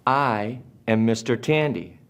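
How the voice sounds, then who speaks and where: A male teacher from the United States leading an English class, speaking slowly and deliberately and repeating words for his students. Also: mid-range voice, animated, clear, resonant tone. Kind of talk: slow classroom drill.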